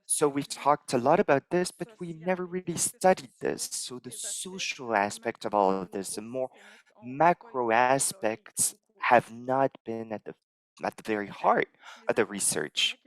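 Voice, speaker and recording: A man interpreting a conference talk live into English, measured and halting, pausing as he translates. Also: mid-range voice, lively intonation, poor audio. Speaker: simultaneous interpreter.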